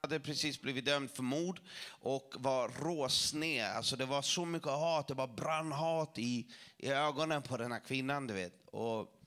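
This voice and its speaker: Bright-voiced man telling a testimony. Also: mid-range voice. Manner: lively storytelling with self-mocking jokes. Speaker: preacher giving testimony. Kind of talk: humorous testimony to a church audience.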